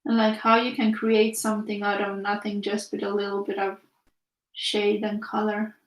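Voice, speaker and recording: A woman's voice: medium pitch, monotone, normal speed, reverberant, poor audio. A young woman from Finland with a Finnish accent, chatting casually to live viewers as she paints and reads their comments aloud. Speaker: art teacher streaming live. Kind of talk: casual chat while painting.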